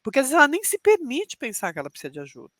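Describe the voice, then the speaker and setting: A woman's voice: sits high, wildly swooping pitch, racing, a bit bright, no echo, clean studio sound. A middle-aged woman with a Brazilian Portuguese accent, a podcast guest who talks reflectively and explains with examples. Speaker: podcast guest, leadership speaker. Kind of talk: interview conversation.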